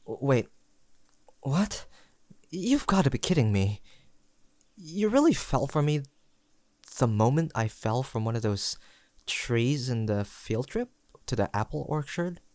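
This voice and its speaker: A man's voice: medium pitch, big pitch swings, dry recording. A young man playing a tender, teasing best friend turned lover in an intimate romantic audio roleplay, speaking in a hesitant, conversational way. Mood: playful, incredulous. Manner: conversational, hesitant, halting delivery with sighs and soft chuckles.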